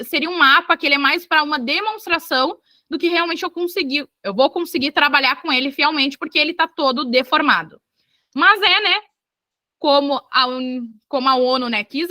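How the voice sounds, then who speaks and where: A woman from Brazil teaches an online exam-prep geography lesson with a high, bright, forceful voice. She is lively and keeps turning to her students to check they follow. The sound is dry and close to the mic. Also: fairly quick, no echo.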